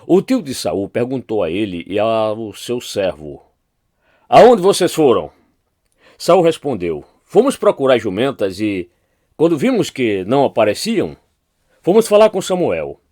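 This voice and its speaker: A man's voice: fairly low pitch, very animated, unhurried, a little mellow, no room sound, clean studio sound. A man with a Brazilian Portuguese accent, a pastor reading Bible chapters aloud and lifting his voice for quoted speech.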